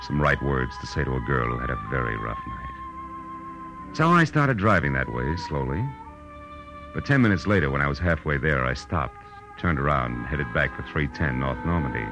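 A man's voice: rumbling low, exaggerated voice, poor audio. An American man playing a wry, hard-boiled private detective in a 1940s radio drama, with clipped, world-weary delivery. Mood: wry narration. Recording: vintage 1940s radio broadcast with music.

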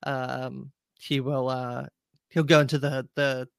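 A man in his thirties co-hosting a podcast, chatting in a relaxed, hesitant way with lots of agreeing. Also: mid-range voice, slow pace, gravelly, clear, resonant tone, no echo, clean studio sound. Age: 30s. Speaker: podcast co-host. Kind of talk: casual chat.

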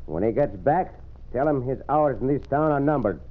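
An actor playing a bold, gallant Western gunslinger with a Hispanic accent, commanding and courtly, in old-time radio style. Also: male voice, mid-range voice, lively intonation, normal speed, lightly acted. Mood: menacing. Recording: muffled, noisy vintage radio recording.

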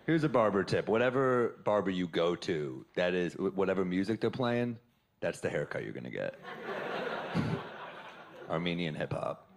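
A man works through a stand-up set, telling self-deprecating stories in a deadpan way. His voice sits low but moves through a wide, animated range. The recording carries plenty of audience noise. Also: normal speed, pauses often. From New York. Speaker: stand-up comedian.

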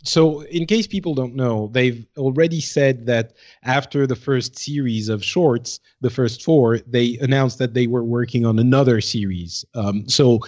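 Podcast co-host, male, average pitch. Casual, halting explainer, recorded a little dull and lo-fi. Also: a little mellow. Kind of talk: casual gaming discussion. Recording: slightly dull, lo-fi voice track.

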